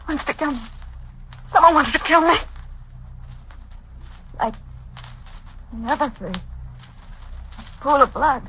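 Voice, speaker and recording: An actress playing a sharp-tongued, frightened young wife in a 1940s radio drama, with a breathy, shrill delivery, on a dull old broadcast. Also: female voice, a little hiss or hum. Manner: shrill and scolding, then panicky.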